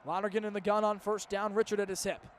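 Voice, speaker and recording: A man's voice: high-pitched, little pitch movement, fast talker, a little hiss or hum. A man in his early twenties calling live American football play-by-play in the style of a radio broadcast. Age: early 20s. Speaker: play-by-play sports announcer. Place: outdoor stadium broadcast position.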